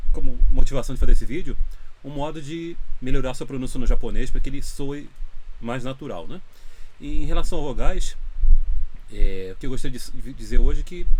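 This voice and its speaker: A man's voice: medium pitch, darkish tone, a little hiss or hum, low-quality recording. A man teaching a casual video lesson in a hesitant way, with many fillers and restarts. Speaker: language teacher. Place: home room with a fan running.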